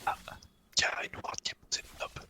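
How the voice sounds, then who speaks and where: A man's voice: unhurried, sharp tone. A man whispering short, slangy remarks as a guest duo partner in a casual gaming session, with some mild swearing.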